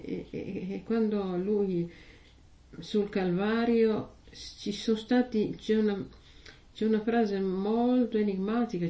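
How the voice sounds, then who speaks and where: A woman reading a gospel passage slowly and then preaching on it in a conversational way, asking her listeners questions. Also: fairly high pitch. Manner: slow, measured reading with heavy pauses. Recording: echoey, distant, dull lo-fi sound.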